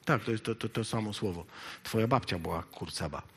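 A man's voice: lowish voice, vocal fry, husky. Man, preacher, sermon, emphatic then musing, hesitant fillers. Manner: rises to loud emphatic preaching, then drops to quiet musing asides; halting, with many hesitation fillers.

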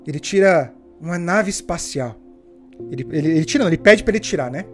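A woman's voice: fairly low pitch, fast talker, faint music behind. A woman preaching a sermon, telling stories with energy and asking her listeners pointed rhetorical questions. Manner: lively storytelling, asks rhetorical questions.

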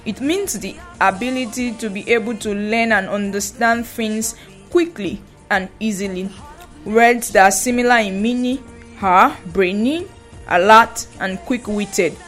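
A woman co-hosting a radio show, teaching vocabulary. She spells and defines each word slowly and carefully, and repeats her example sentences. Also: medium pitch, soft background music. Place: radio studio.

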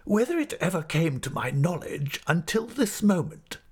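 A man's voice: high-pitched, sing-song, normal speed, slightly rough, voice pushed up, full character voice. A man voicing an irascible, pompous school principal in an audiobook, full of sarcastic politeness and whispery menace. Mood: severe, mock-polite. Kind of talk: audiobook character acting.

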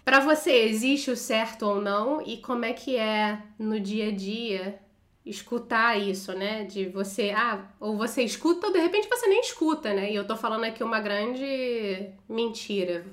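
A woman's voice: on the high side, moderate pace. A woman interviewer asking her guest questions in a casual, curious way.

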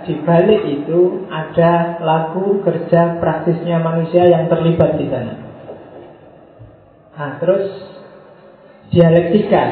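A man giving an informal philosophy lesson, explaining casually and teasingly with slow, emphatic stretches. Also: fairly high pitch. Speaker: philosophy teacher. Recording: very echoey, phone-like lo-fi room.

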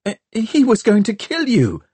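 A male audiobook reader voicing an earnest, desperate teenage boy, shouting and pleading. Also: sits high, wildly swooping pitch, unhurried, breathy edge, dry recording, voice pushed up, exaggerated voice. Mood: pleading, angry.

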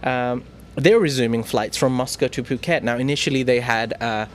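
A man's voice: medium pitch, moderate pace, soft background music. Chatty male news-show host. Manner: chatty, filler-heavy, playful teasing. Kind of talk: casual news chat.

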